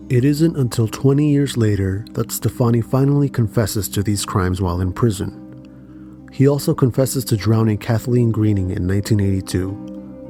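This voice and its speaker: Man, lower-pitched voice, documentary narration, serious, measured storytelling, music bed. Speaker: true crime narrator.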